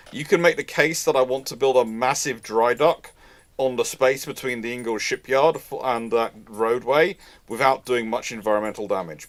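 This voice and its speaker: A man hosting a live question-and-answer chat, talking in a rambling way and often repeating and rephrasing himself. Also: medium pitch. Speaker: host answering audience questions.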